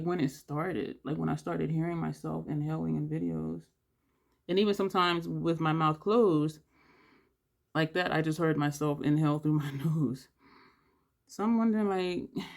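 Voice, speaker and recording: Vlogger, mid-pitch with a gravelly edge, congested-sounding, chatty makeup tutorial delivery with audible breaths. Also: darkish tone. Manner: rambling, thinks aloud while working; audible breathing between phrases. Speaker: beauty vlogger. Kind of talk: casual makeup tutorial chat.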